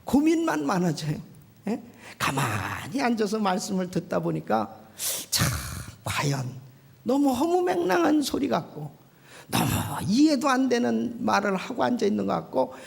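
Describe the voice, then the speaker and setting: A pastor from Korea delivers a sermon with a gravelly, husky voice. The pitch swings widely as they keep prodding the listeners with quick questions. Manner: animated, keeps prodding the congregation with quick questions.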